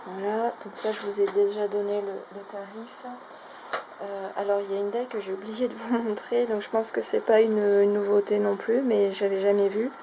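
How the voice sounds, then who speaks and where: A woman's voice: medium pitch, level tone, moderate pace, creaky. A woman casually showing a craft shopping haul, talking in a chatty, hesitant way with many fillers. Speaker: craft vlogger. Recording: noisy home recording.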